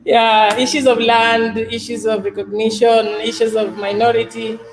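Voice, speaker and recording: A man from Kenya, a guest on an online panel, who answers in a relaxed, hesitant way with many pauses and "uh"s. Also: extremely high pitch, poor audio. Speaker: panel guest, rights advocate. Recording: faint background noise.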